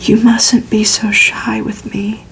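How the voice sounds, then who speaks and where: A woman voicing a worldly, courteous male vampire in a breathy whisper for an ASMR storybook reading. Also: mid-range voice, monotone, slow pace, fairly bright tone, slight background noise. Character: worldly, amused, courteous male vampire telling his life.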